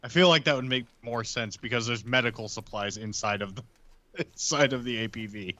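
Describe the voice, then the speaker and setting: A man's voice: mid-range voice, a little fast, pushed and bright, no echo. A man talking casually as a player in a tabletop game, improvising what he does.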